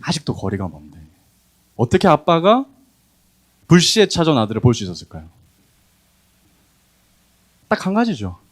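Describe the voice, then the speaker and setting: A man's voice: a little high, wildly swooping pitch, normal speed, long pauses. Guy preaching to a youth service, voice swings up and down a lot, acts out the lines. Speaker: pastor. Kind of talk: sermon.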